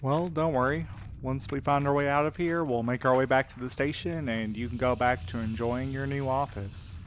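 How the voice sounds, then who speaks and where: A man's voice: medium pitch, fairly even intonation, moderate pace, background noise, close to an everyday voice. A man playing a wry, exasperated, wary supernatural mail courier in an audio drama, talking in a colloquial, needling way. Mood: bitter, accusing.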